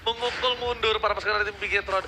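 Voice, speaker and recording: An Indonesian-accented man working as an esports caster, giving excited, dramatic and emphatic play-by-play commentary. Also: high voice, rapid-fire, noisy background. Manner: dramatic, emphatic, asks and answers own questions.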